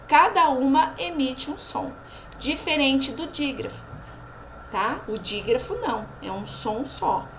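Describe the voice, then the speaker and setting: High, lively woman teacher speaking slowly. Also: a little hiss or hum, poor audio. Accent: Brazilian Portuguese. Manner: slow, drawn-out pronunciation of example words; frequent checking tags after each point. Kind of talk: recorded remote lesson.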